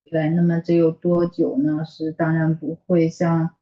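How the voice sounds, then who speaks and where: A woman who is a native Mandarin speaker, interpreting informally and a bit haltingly as she searches for words. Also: sits low, completely flat delivery, echoey room, lo-fi sound. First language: Mandarin Chinese. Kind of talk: consecutive interpreting in informal talk.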